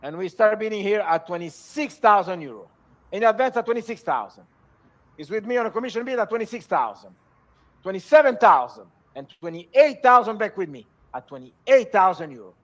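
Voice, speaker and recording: A man working as an auctioneer, calling bids in a repetitive, measured way and formally presenting each lot. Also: high-pitched, expressive, fairly bright tone. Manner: auctioneer delivery, repetitive, measured bid calls.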